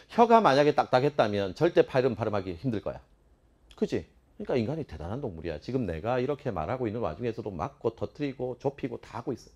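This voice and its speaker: A man teaches a class with a lively, bouncing voice that swings high and low. He sounds out syllables over and over and keeps prodding his students with playful questions. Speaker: Korean language teacher.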